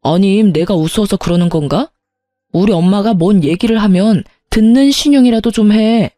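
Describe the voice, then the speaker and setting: A woman's voice: mid-range voice, moderate pace, warm tone, no room sound, studio quality, soft background music, close to an everyday voice. A woman voicing a stubborn, defensive husband who argues indignantly.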